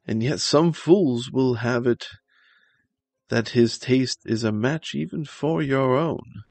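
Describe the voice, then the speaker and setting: A man playing a scheming nobleman in a gothic story, flattering and politely feigning reluctance. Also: mid-range voice, takes it slowly, no room sound, voice pushed up. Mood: slyly reluctant. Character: scheming nobleman, falsely courteous, flattering, slyly goading his friend. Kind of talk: dramatic gothic story reading.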